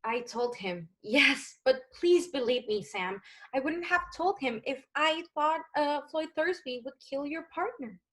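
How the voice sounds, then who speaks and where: Radio-noir temptress, played by a woman: pleading and melodramatic, slow delivery. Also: high-pitched, expressive, fairly bright tone. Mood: anxious pleading. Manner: melodramatic, drawn-out, imploring. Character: pleading, manipulative female noir femme fatale. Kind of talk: 1940s film noir radio acting.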